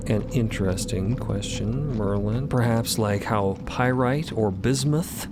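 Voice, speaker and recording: Slow, low-pitched male storyteller. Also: very noisy. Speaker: narrator. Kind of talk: scripted storytelling narration. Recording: loud ambient sound under voice.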